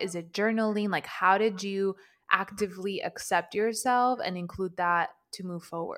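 In a very clean recording with a silent background, a woman with a plain, everyday voice speaks at a medium pitch and a moderate pace with fairly even intonation. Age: 20s. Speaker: lifestyle podcast co-host and wedding photographer. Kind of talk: casual chat.

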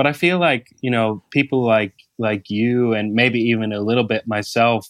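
Speaking with an American accent, a man has an ordinary speaking voice at medium pitch with fairly even intonation. The sound is dry and close, with no echo. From Oregon, US (Yamhill County). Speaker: musician. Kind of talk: casual interview chat.

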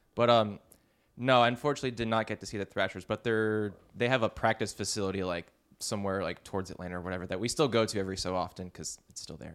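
Over a very clean recording with a silent background, a man with an American accent talks at a very fast pace and a fairly low pitch, with ordinary pitch variation and big swings in loudness. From Georgia, US South. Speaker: podcast guest. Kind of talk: casual chat.

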